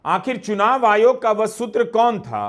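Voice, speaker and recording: A middle-aged man presenting news commentary in a measured voice, raising questions one after another. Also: sits high, animated, a bit bright.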